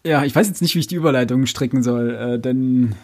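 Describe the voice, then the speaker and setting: A man's voice: medium pitch, fairly quick, darkish tone. A man co-hosting a casual podcast, dropping wry jokes into the chat. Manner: wry, joking remarks. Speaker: podcast co-host.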